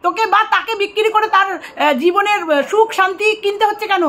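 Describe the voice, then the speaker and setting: A woman's voice: very high voice, steady tone, fast, pushed and bright. A woman delivering an angry, accusing monologue straight to the camera, repeating phrases for emphasis.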